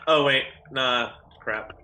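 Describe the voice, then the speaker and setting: A man's voice: mid-range voice, slow pace, sharp tone, a little hiss or hum. A man playing a tabletop game, chatting casually and jokingly with the group.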